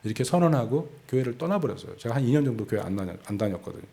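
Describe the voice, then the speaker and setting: Korean pastor telling a sermon story. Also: male voice, mid-range voice, big pitch swings, racing, gravelly, dark tone. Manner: storytelling, acts out quoted voices, laughs at himself. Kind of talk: sermon with personal testimony.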